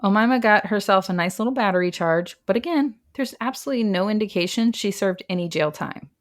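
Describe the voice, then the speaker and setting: A woman's voice: medium pitch, lively intonation, brisk. A woman hosting a podcast, recounting a true crime case in a chatty, wry way with frequent laughs. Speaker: podcast host. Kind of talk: casual true crime storytelling.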